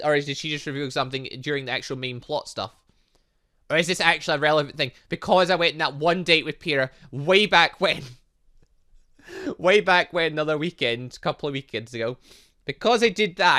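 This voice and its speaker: A man's voice: on the high side, moderate pace. A man giving casual let's play commentary on a visual novel, reading aloud and reacting with exclamations. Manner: animated, exclaiming, reacting as he reads. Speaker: gaming channel host.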